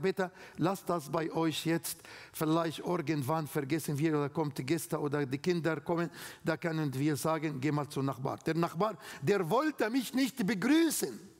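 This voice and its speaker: A male preacher with an Arabic accent delivers a sermon in careful, emphatic, slightly broken phrasing. His voice sits high for a man and moves at an unhurried, deliberate pace. The sound carries a long reverb from a large hall. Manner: slow, emphatic, broken German with non-native grammar. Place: church hall.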